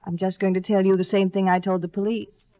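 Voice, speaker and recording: A woman's voice: medium pitch, level tone, brisk, dry recording, close to an everyday voice. An actress playing a cool, coy, guarded woman in an old radio detective serial, teasing and evasive in her delivery. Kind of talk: 1950s American radio detective serial acting. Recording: dry, dull old radio recording.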